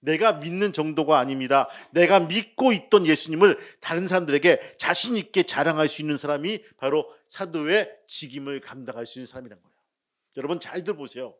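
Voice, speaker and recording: A man preaching a sermon as pastor, asking the congregation questions and joking with them, with loud emphasis and quiet asides. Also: a little high, a little fast.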